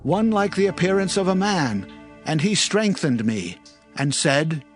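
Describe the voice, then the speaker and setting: A man's voice: on the high side, big pitch swings, unhurried. A man playing an awestruck, humble Hebrew prophet who recounts his vision earnestly and reverently in a dramatized scripture reading. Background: music.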